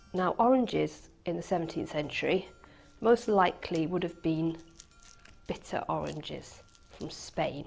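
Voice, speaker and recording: The pace of this woman's speech is fairly slow. Behind her, music plays faintly. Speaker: presenter. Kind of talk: tutorial. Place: kitchen.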